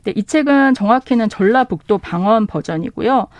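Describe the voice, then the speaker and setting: A woman's voice: on the high side, expressive, brisk, no room sound, lo-fi sound. A woman from Seoul, a bookshop owner chatting as a guest, laughing often. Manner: chatty, laughs often, reads dialect lines aloud. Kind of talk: casual radio chat.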